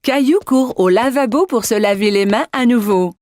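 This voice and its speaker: A woman narrating a scripted children's cartoon story in an expressive storytelling manner. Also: on the high side, moderate pace, no room sound, clean studio sound, lightly acted.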